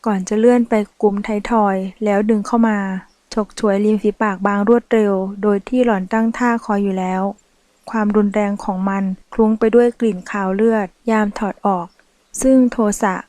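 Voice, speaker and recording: Mellow-voiced woman reading a novel. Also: medium pitch, steady tone, normal speed, dry recording. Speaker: audiobook reader. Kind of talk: scripted narration of a romance novel.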